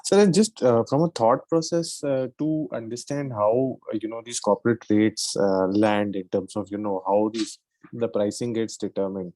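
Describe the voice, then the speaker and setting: A man's voice: on the low side, moderate pace, mellow, no echo. A man asking questions as an analyst on an earnings call, polite and tentative as he thinks aloud. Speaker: financial analyst.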